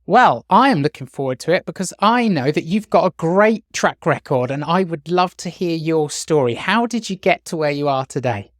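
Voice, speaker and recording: A man's voice: a little high, animated, moderate pace, few pauses, dry recording, studio quality. A man hosting a podcast, introducing and chatting with a guest in a friendly conversational style. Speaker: podcast host, marketing company chief executive.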